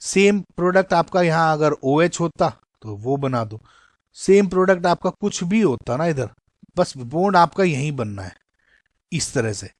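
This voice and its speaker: A man's voice: on the high side, animated, dry recording. Man teaching chemistry, dry close sound. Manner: explains step by step, often checks understanding with "okay" and "correct"; reads question text slowly in English. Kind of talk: exam-prep lecture in Hindi-English mix.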